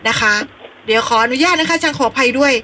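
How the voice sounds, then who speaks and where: A woman radio host with a high, bright voice reads listener messages and questions aloud with polite courtesy. She sometimes sounds a little flustered, and the sound has a broadcast quality. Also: fast talker. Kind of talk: live radio call-in talk.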